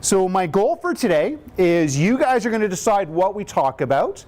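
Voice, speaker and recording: A man in his fifties with a booming voice leads a live question-and-answer session, explaining health matters in plain, upbeat talk. He pitches a little high and keeps turning to the room with rhetorical questions. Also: very animated, moderate pace, darkish tone. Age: 50s. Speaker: cardiac rehab educator.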